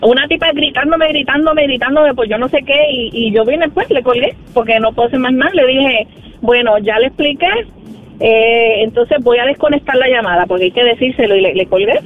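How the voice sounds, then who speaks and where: Very high-voiced caller on tinny phone line. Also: male voice, fairly quick. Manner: frank, tired, keeps it brief. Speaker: caller, call center worker. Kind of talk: phone call-in complaint.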